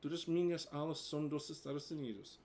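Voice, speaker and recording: A man's voice: fairly high pitch, steady tone, fairly quick, darkish tone. Casual vlogger, man in his 40s, native English speaker, hesitant learner Portuguese mixed with English. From United States. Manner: hesitant, many fillers, switches between Portuguese and English. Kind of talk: casual bilingual talk to camera.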